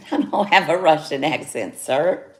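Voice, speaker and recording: A woman's voice: deep voice, expressive, takes it slowly. A woman chatting casually on a jewelry livestream, greeting viewers by name. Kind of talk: casual live sales chat. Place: home studio, indoors.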